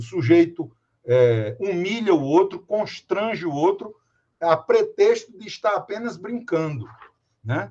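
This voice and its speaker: A man with very wide pitch swings at a fairly slow pace. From Brazilian Northeast. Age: 60s. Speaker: judge and law lecturer. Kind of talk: lecture. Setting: online live stream.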